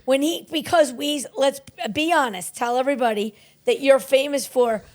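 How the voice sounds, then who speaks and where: A woman's voice: high voice, moderate pace, a little mellow. A woman in casual banter, talking in a teasing, argumentative way.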